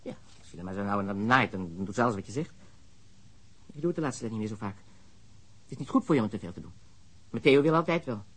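A man's voice: on the low side, lively intonation, quick pace, long pauses, breathy edge. A man playing a blunt, shameless smuggler under questioning. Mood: brazen. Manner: frank, matter-of-fact, shameless. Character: smuggler confessing under police interrogation, boastful and blunt. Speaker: suspect. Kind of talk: radio drama acting.

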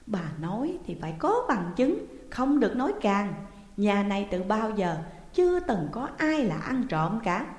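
A woman's voice: medium pitch, very animated, unhurried. A blunt, spirited housemaid, voiced by a woman storyteller, answering back sharply and without fear. Her voice carries a roomy echo and a long reverb. It is an audio storybook. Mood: defiant. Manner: defiant, sharp-tongued.

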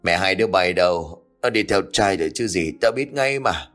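Guy doing a drunk mean husband, slurry and cursing, lowish voice with soft music behind. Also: animated, moderate pace. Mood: drunken rage.

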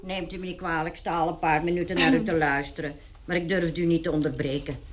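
A woman's voice: low-pitched, level tone, quick pace, a loud crowd, lightly acted. A woman in a radio play playing a brash, nosy charwoman with a chatty, colloquial, fearless manner. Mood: servile, chatty.

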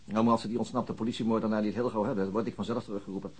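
Tired gruff cop in a radio play, husky, talks quick. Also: male voice, lowish voice, little pitch movement. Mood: weary, conciliatory. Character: weary male police detective chatting with his woman companion. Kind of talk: naturalistic radio drama acting.

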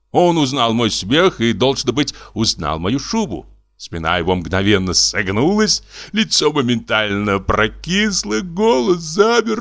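A man reading a classic short story aloud with expressive, animated delivery. His pitch ranges widely and the tone is bright and forceful. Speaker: narrator. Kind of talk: literary reading.

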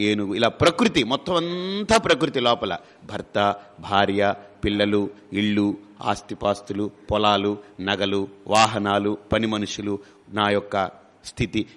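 A man's voice: medium pitch, a bit bright. A man as spiritual teacher giving a discourse, conversational, with rhetorical questions and humorous asides. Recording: long hall reverb.

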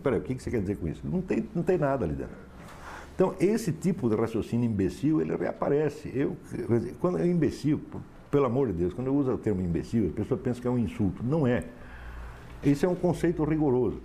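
A man's voice: mid-range voice, warm tone, slight background noise. A man giving a philosophy lecture to a class, emphatic and sardonic, often asking for assent.

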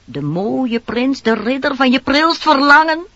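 Sly, lively peddler woman. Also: high-pitched, measured pace, no room sound, exaggerated voice. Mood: sly, persuasive. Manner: wheedling, insistent sales patter. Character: disguised scheming peddler woman, coaxing and sly. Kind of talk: theatrical Dutch radio play acting. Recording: dull noisy old radio recording.

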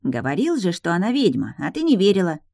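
A woman's voice: on the low side, huge pitch swings, fast, gravelly, a little mellow, dry recording, clean studio sound, pitched above the performer's own voice, exaggerated voice. A woman voicing a male household servant who gossips slyly, in a fantasy audiobook. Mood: gossiping.

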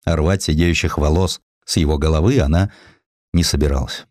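A man narrating a literary historical story as an audiobook, in a measured, dramatic storytelling manner. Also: very deep voice, a little mellow, no room sound, clean studio sound. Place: dry studio.

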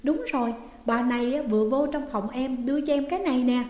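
A woman's voice: sits high, quick pace, mellow, natural voice. A woman with a Southern Vietnamese accent voicing an eager, emotional young daughter in a storybook reading. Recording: echoey room with long reverb.

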